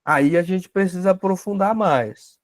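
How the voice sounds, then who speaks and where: A man's voice: sits high, a little slow, no room sound, studio quality. Brazilian man teaching a casual class. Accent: Brazilian Portuguese. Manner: conversational, tag questions, acts out dialogues. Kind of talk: spiritual self-knowledge class.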